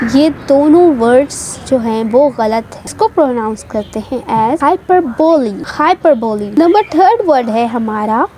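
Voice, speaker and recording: A woman's voice: sits high, mellow, a little hiss or hum. A woman teaching English pronunciation, repeating each word carefully for emphasis. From Pakistan. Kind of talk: slow careful pronunciation lesson.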